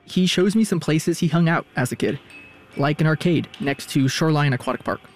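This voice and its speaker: A man narrating a radio news feature as reporter, in a measured, scripted storytelling voice. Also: fairly high pitch, faint music behind.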